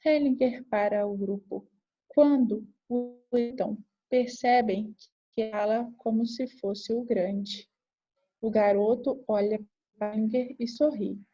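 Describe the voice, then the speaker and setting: Slow, dark-toned woman reading aloud. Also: on the high side, steady tone, breathy edge, lo-fi sound. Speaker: reader. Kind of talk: slow scripted reading of a therapy session.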